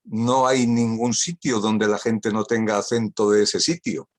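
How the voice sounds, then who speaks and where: A man's voice: fairly low pitch, fairly even intonation, unhurried. An older man from Spain whose first language is Catalan gives a guest talk over a video call. He is ironic and witty, and he repeats key phrases for emphasis. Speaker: guest speaker. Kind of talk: online talk.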